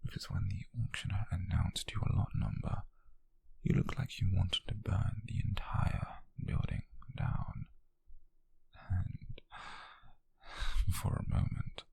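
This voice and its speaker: A British man playing a possessive, obsessive, smug wealthy captor in an intimate ASMR roleplay, husky and whispery, speaking softly and deliberately close to the mic. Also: sits low, level tone, no room sound, full character voice. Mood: intimate, fascinated. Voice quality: breathy, husky, gravelly whisper. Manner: slow, deliberate, menacingly soft. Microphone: close microphone, dry.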